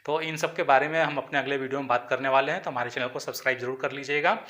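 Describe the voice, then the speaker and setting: This man speaks at a medium pitch with a steady, fairly bright tone, racing along quickly. He is teaching an exam-prep grammar lesson, explaining step by step, repeating points and often checking in with "okay". His Hindi explanations are mixed with English terms.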